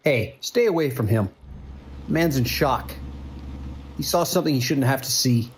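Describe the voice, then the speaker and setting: A man's voice: mid-range voice, expressive, moderate pace, a little hiss or hum, natural voice. An actor playing a protective trucker and worried father, speaking firmly and urgently in a radio drama. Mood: stern, warning. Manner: firm, warning, gruffly urgent.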